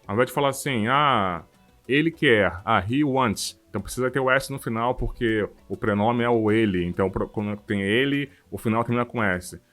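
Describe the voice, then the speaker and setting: A man with a Brazilian Portuguese accent co-hosts a podcast, chatting casually and animatedly in a mid-range voice at a moderate pace. He works abroad and keeps dropping "cara" and "sabe" into his informal talk, with soft music playing behind him.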